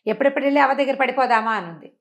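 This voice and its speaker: A woman narrates a folk-style moral story for children. Her voice sits a little high and she speaks very quickly. She keeps it conversational and performs the characters' dialogue inside the narration. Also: fairly bright tone. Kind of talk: animated oral storytelling of a children's moral tale.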